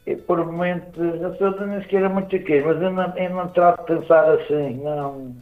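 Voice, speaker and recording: A man's voice: sits high, steady tone, brisk. An older man with a Madeiran Portuguese accent, calling a radio show to chat in a good-humoured, folksy, rambling way. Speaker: radio phone-in caller. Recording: tinny phone line, faint music.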